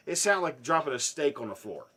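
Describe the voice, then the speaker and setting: A man spins a profane story in casual conversation, his voice dropping to a hush and then bursting out loud. He speaks in a slightly higher register, with animated swings in pitch. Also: a little fast, husky. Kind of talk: casual anecdote telling.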